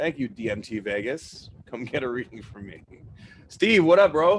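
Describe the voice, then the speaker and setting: A man with an American accent speaks at a moderate pace in a fairly high pitch, his intonation lively. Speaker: astrologer. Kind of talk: live stream talk. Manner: casual, halting with fillers.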